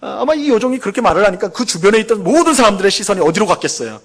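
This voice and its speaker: Pastor guy preaching in church, kinda high voice, keeps asking the crowd questions. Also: big pitch swings, racing. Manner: asks the congregation questions and acts out quotes. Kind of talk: sermon. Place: church sanctuary.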